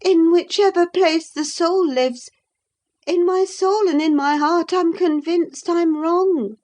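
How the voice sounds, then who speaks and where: A woman's voice: extremely high pitch, slow pace, a little mellow, pitched above the performer's own voice. A woman reading a passionate, moody young woman in an audiobook, speaking in an impassioned, emphatic way. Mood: intense. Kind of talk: audiobook character voice.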